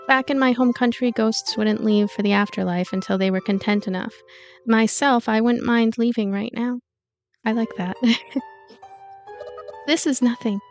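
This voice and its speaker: A woman with a higher-than-average voice narrates a visual novel expressively. She slips into casual asides between passages, and game music plays faintly underneath. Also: steady tone, normal speed. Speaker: let's play narrator and commentator.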